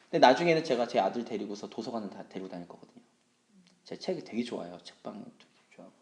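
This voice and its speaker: Lively, animated man teaching Bible study. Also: very fast, creaky, echoey room. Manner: animated, acts out scolding and quoted voices with big pitch jumps; humorous, self-deprecating asides. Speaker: junior pastor.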